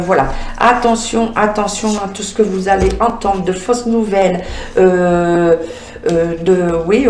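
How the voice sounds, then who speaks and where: Female medium, mid-pitched voice, halting card reading full of fillers, recorded in a roomy space. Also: a little mellow, a little hiss or hum. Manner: halting, many filler sounds, talks to the cards. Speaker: medium reading oracle cards. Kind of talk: spoken card reading with visions.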